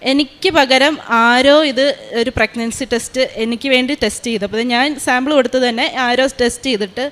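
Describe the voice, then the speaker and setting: A young woman tells her personal testimony. She talks quickly in a slightly high voice. Her delivery is earnest and full of fillers and restarts. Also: fairly even intonation, fairly bright tone. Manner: earnest storytelling with many fillers. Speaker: testimony giver.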